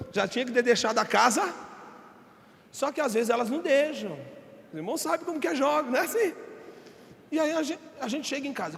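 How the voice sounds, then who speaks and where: A man in his forties preaching a sermon, emphatic, calling the congregation brother. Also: very high-pitched. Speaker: pastor. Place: church hall. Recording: long reverb of a church hall.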